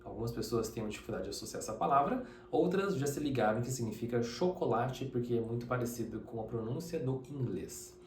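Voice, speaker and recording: A man's voice: mid-range voice, lively intonation, fairly quick, hardly any pauses, a little mellow, roomy sound, slight background noise. A man from Taiwan whose first language is Mandarin, teaching a casual spoken lesson to camera and often tagging his sentences with checking questions. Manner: conversational, uses many tag questions.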